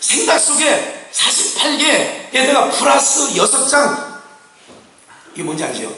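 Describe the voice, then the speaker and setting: A man with a high, bright, forceful voice preaches a sermon to his church. He talks casually, firing rhetorical questions at the congregation. The sound is a roomy, echoing hall, picked up from well back from the mic. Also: measured pace, a little hiss or hum. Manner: colloquial and animated, with laughs and bursts of shouting. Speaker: pastor. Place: church sanctuary. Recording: echoey hall, mic far from speaker.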